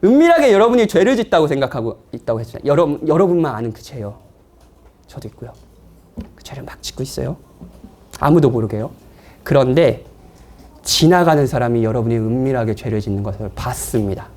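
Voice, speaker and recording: A man's voice: medium pitch, lively intonation, a little fast, pauses often, darkish tone. A man preaching a sermon in a church, speaking conversationally and playfully with his congregation. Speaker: pastor. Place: church, afternoon service.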